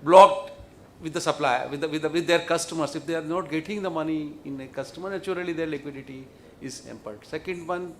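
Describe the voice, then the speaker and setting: Man, Indian accent, slightly high pitch, executive fielding questions, emphatic repetition, faint background noise. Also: brisk, fairly bright tone. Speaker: bank executive answering questions. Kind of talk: question-and-answer with press or analysts. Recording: clear background noise, room ambience.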